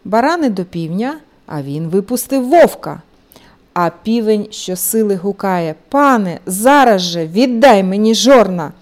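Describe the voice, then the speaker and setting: Woman telling a lively bedtime fairy tale. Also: medium pitch. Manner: lively, singsong telling to small children. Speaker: storyteller.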